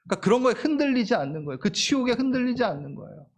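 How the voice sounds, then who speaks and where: A middle-aged male pastor delivering a sermon in a fairly high voice that swings widely in pitch. He is animated and playful, slipping into little acted-out quotes and laughing along with his own jokes. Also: racing, vocal fry.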